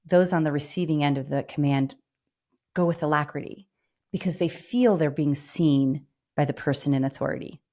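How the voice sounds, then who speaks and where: A woman's voice: low-pitched, normal speed, darkish tone. A woman co-hosting a conversation about literature, reflecting thoughtfully on what is read. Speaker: co-host.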